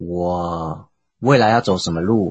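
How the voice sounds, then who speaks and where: A man talks with an English accent. His pace is very slow. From United States. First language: English (speaking Chinese). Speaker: English teacher and TV presenter. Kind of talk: interview.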